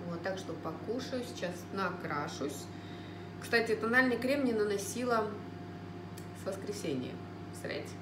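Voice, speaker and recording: A woman's voice: mid-range voice, animated, normal speed, noisy background. A middle-aged woman vlogger chatting casually and ramblingly to her viewers about everyday things while eating at home. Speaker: lifestyle vlogger. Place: indoors at home in an echoey room. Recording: roomy, echoing indoor sound.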